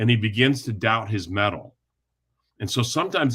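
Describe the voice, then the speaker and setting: On a very clean recording with a silent background, a man at medium pitch uses an ordinary speaking voice with ordinary pitch variation. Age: 60s. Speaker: guest expert on fatherhood. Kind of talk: talk show discussion.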